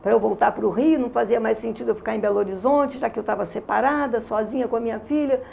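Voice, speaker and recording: Brief: Carioca woman, 60s, high but dark, gravelly tone, emotional testimony. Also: fast, a little hiss or hum. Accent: Carioca Brazilian Portuguese. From Rio de Janeiro, Brazil. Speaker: interview guest giving a testimony. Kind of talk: religious testimony in conversation.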